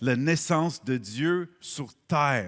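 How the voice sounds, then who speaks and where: In a very clean recording with a silent background, a man with an English accent speaks at a very slow pace and a fairly high pitch. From United States. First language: English (speaking French). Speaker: pastor. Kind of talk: sermon. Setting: church. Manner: halting, repeats words.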